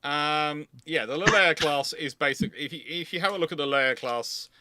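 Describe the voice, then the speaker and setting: A man hosting a casual live question-and-answer session, talking in a halting way and interrupting himself as he goes. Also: a little high, bright, forceful tone, a little hiss or hum.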